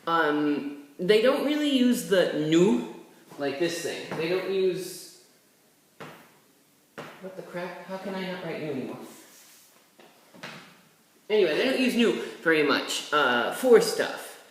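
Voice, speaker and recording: With long pauses and a slow pace, the language tutor's very animated, medium-pitched voice guides a laid-back, rambling tutorial while writing characters, with offhand asides. The mic is distant, the room very echoey, and there's a faint hiss.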